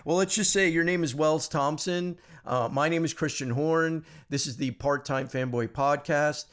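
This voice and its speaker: Slightly hoarse, chatty male podcast host. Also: a little high, moderate pace, a bit bright. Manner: chatty, upbeat, rambling. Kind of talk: casual podcast interview.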